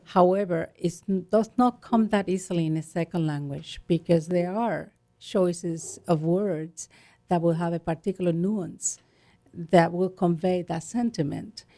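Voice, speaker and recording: Gravelly woman, native Spanish speaker. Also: on the low side, a little slow, dark tone. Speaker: guest. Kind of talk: radio interview.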